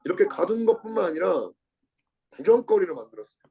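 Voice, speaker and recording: A male lecturer teaches from a book, his fairly high voice gravelly and husky. He reads lines aloud, echoes key words back, and puts questions to his listeners. His tone stays mellow, and it jumps louder whenever he acts out a quote. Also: sing-song, fast. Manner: dramatizes quotes with sudden shifts in pitch and loudness; repeats key words from the passage, asks the audience questions. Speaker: Bible study lecturer.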